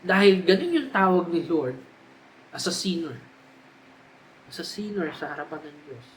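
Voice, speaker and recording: A young man with a Filipino accent delivers a youth sermon, sliding between Tagalog and English. His voice sits high and he leans into emphatic, repeated phrases. A faint hum of room ambience stays underneath. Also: very animated, moderate pace, fairly bright tone, low-quality recording. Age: young adult. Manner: Taglish preaching, rising to emphatic repeated cries. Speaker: youth speaker.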